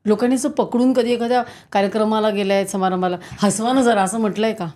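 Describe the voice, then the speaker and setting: A woman's voice: medium pitch, fairly even intonation, fast talker, mellow. A woman with a Marathi accent hosting a podcast, asking short prompting questions in a casual interview. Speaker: podcast host.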